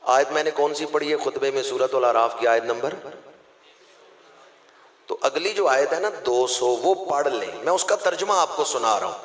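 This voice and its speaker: A man from Pakistan with a Pakistani Urdu accent, delivering a sermon as a preacher. He swings between loud, declaiming passages and hushed storytelling. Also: mid-range voice, lively intonation, moderate pace. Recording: echoey hall with long reverb.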